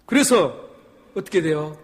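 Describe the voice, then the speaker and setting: A male pastor delivers a sermon in a sanctuary, his slightly high voice climbing to loud, emphatic peaks. He keeps asking the congregation questions. A long reverb from the hall hangs behind every phrase. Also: expressive, measured pace. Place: church sanctuary.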